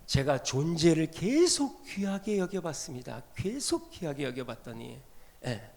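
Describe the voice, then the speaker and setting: High-voiced preacher in a reverberant church. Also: male voice, sing-song, a little slow, creaky. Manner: swings from loud emphatic exclamations to hushed near-whispers; speaks tenderly in second person as if God speaking. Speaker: missionary preacher. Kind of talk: revival sermon. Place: church sanctuary. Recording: long church hall reverb.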